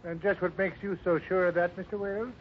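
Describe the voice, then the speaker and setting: Seeking male actor as playful, kindly cowboy ribber, high-pitched, old-time radio drama on a muffled recording. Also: level tone, fast talker, a little hiss or hum, close to an everyday voice. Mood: teasing. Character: teasing, good-natured cowboy ranch hand. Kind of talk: 1950s radio acting.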